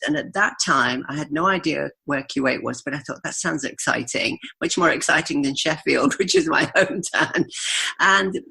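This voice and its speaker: Gravelly-voiced Yorkshire woman in her fifties. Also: low voice, normal speed, pushed and bright. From Yorkshire, England. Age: 50s. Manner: chatty, laughs often, storytelling. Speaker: guest. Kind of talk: podcast interview.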